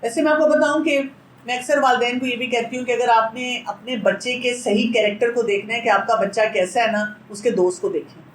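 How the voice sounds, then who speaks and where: A woman's voice: a little high, fairly even intonation, roomy sound, a little hiss or hum, rough recording. A middle-aged woman with a Pakistani accent, a pediatrician giving an Islamic parenting lecture in an earnest, advising way and mixing English words into her speech.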